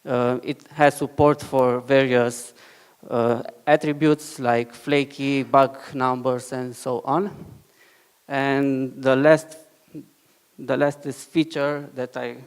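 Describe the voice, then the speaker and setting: A man giving a short conference talk and live software demo, often halting and restarting phrases. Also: mid-range voice, level tone, smooth. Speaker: conference speaker. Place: conference hall.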